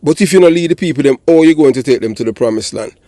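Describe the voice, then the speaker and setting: A man's voice: fairly high pitch, expressive, fast talker, dark tone, no room sound, studio quality. An older man with a Jamaican accent giving blunt, emphatic political commentary as a channel host, often checking that listeners follow. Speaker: channel host and commentator, former police officer.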